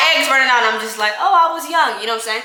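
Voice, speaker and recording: A woman talks with an American accent. Noticeable background noise and audible room echo fill the recording. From US South (Virginia/North Carolina). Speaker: YouTuber. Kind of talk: Q&A casual chat. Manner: casual, hesitant with fillers.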